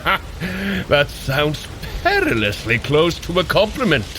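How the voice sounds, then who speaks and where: An actor playing a hearty, boastful Norse god warrior in an audio drama, booming and declaiming in heroic, archaic phrases. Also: male voice, huge pitch swings, a little slow, sharp tone, a little hiss or hum, heavily acted. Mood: amused, hearty.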